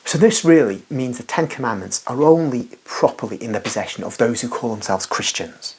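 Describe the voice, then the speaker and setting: A man's voice: medium pitch, animated, fairly quick, a little mellow, breathy edge. A man giving an unscripted, rambling religious monologue as a Catholic commentator, emphatic and full of asides and restarts.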